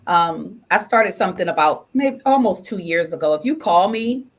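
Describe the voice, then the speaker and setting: A woman's voice: fairly low pitch, lively intonation, moderate pace, breathy edge. A woman speaking emphatically as a guest in a conversational interview, often repeating phrases for emphasis. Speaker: guest from a stage play production.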